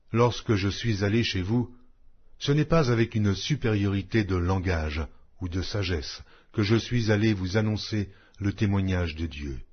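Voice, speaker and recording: A low male voice, somewhat husky, delivers a solemn scripture reading. His phrases rise and fall widely, set apart by deliberate pauses in a measured, declamatory manner. The audio is slightly dull.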